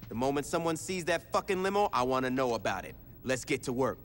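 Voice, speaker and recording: A gang leader in a game cutscene, blunt and sarcastic, swearing freely as he gives orders. His voice sits at an ordinary male pitch, with faint game noise behind. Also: very animated, quick pace, fairly bright tone. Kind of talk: video game cutscene acting.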